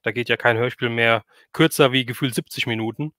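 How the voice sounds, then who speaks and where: A man with a mid-pitched voice and a very dry, close sound. He hosts in an informal chatty style, thinking aloud as he moves between remarks and questions. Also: fairly even intonation, brisk, pushed and bright, dry recording. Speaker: livestream host interviewer. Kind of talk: casual interview chat.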